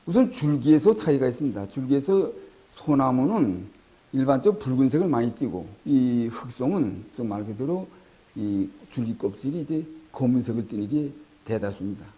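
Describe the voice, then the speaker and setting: A man's voice: mid-range voice, expressive, normal speed, dark tone, low-quality recording. A man with a North Korean accent explaining his field as a researcher in an interview. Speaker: forestry researcher.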